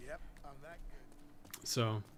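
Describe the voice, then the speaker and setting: A man's voice: medium pitch, slow, fairly bright tone, a little hiss or hum. A man giving casual, profane live game commentary, chatting informally and often muttering to himself as he plays. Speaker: gaming podcast co-host.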